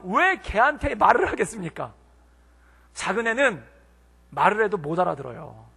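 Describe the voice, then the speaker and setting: A man's voice: sits high, vocal fry, slightly rough. A man in his forties, a pastor preaching a sermon in a church and telling stories with acted quotes. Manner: storytelling with acted quotes, animated. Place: church sanctuary. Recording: long reverb of a church hall.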